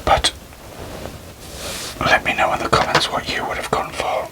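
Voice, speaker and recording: A man doing a whispered ASMR role-play as a jeweller, speaking gently and deliberately in a breathy, unvoiced whisper. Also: poor audio. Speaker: ASMR creator addressing viewers.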